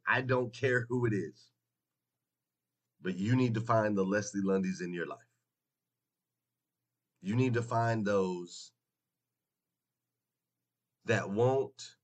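A man hosting a motivational morning livestream, hoarse as if losing his voice, talking emphatically and chattily straight to his listeners and repeating phrases for effect. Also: on the low side. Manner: folksy, chatty direct address to listeners. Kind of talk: motivational live talk to an audience.

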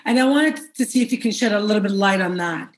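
A woman's voice: medium pitch, animated, quick pace. A woman who grew up in Iraq, co-hosting a podcast, chatty and open, laughing easily. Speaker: podcast co-host. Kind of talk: casual podcast interview.

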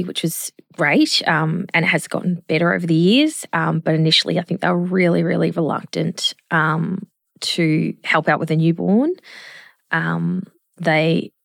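Low, creaky-voiced woman in her forties. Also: dry recording, clean studio sound. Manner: earnest, hesitant, many pauses. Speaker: mother interviewed about parenthood. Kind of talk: reflective interview conversation.

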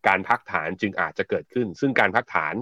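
A low-voiced man talks through stock charts in a relaxed, chatty way. His voice sounds dull and close, with no room around it. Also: fast talker, no room sound. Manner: relaxed, chatty, laughs while reading viewer comments. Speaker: co-host and market analyst. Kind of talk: casual market commentary.

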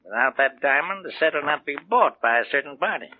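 An evasive, chuckling jewel dealer with a high voice that leaps around. His airy laughs slip between lines on a tinny, hissy old radio recording. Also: animated, fast talker. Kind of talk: 1940s radio acting.

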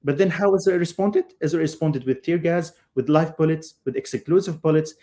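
A journalist from Palestine answering in a live interview, speaking earnestly and haltingly with many fillers and restarts. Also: male voice, a little high, mellow. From Gaza, Palestine. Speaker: journalist, guest.

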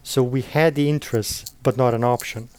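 A man's voice: medium pitch, steady tone, moderate pace, a little mellow, clean tone, no echo. A man in his thirties, a native Slovenian speaker, answering interview questions thoughtfully, often checking in with "right?" and hedging as he goes. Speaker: interview guest.

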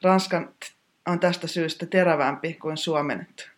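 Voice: mid-range voice, fairly even intonation. A teacher giving a scripted pronunciation lesson in a precise, technical, instructive manner.

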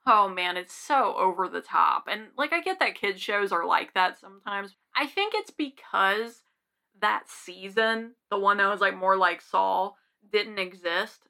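A young woman chats casually as a podcast co-host. Her voice is bright with a lot of vocal fry, and she rambles in a giggly way. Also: medium pitch. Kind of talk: casual chat.

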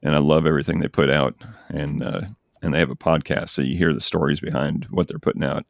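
Super deep man host rambling on a podcast, bit of gravel in it, dry room. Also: fairly even intonation, fast, no echo. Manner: enthusiastic, rambling recommendations. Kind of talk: casual chat.

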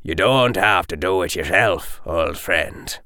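A man's voice: fairly high pitch, lively intonation, slow pace, creaky, dry recording, clean studio sound, pitched above the performer's own voice, exaggerated voice. A man voicing a harsh, blunt male fighter who growls his words. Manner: growling and forceful.

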